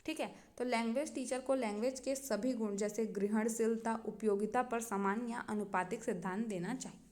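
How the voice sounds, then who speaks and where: A woman's voice: a little high, fairly even intonation, normal speed, a little mellow. A woman with a Chhattisgarh accent teaching an exam-prep lecture, explaining step by step and often checking in with her students.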